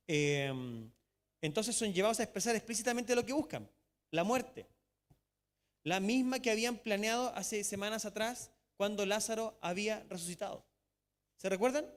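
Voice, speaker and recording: A Chilean man preaching a sermon as pastor, reading scripture emphatically and slowing down to stress key words. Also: high-pitched. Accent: Chilean Spanish. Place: church sanctuary. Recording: long church reverb.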